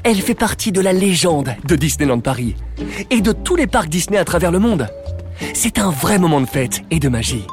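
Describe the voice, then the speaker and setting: A man's voice: a little high, big pitch swings, moderate pace. A man hosting an audio tour podcast, talking playfully with jokey asides to his listeners. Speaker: podcast host and park guide. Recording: music bed behind voice.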